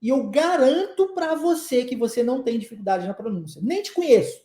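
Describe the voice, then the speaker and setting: A man's voice: very high voice, very animated, fairly quick, warm tone, echoey room. A Brazilian man teaching English in an online lesson, speaking emphatically, repeating key phrases and checking in with his listeners. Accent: Brazilian Portuguese.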